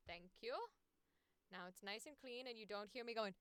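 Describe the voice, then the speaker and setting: A woman's voice: a little high, moderate pace, a bit bright, clean tone. A woman voice actor chatting casually on a livestream, informal and sweary, thinking aloud as she works. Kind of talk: casual livestream chat while editing audio.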